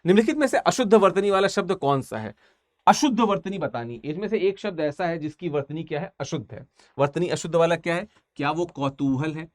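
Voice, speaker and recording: A man's voice: a little high, lively intonation, a little fast, no echo, studio quality. A man teaching an online exam-prep language class, talking casually and repeating each answer several times.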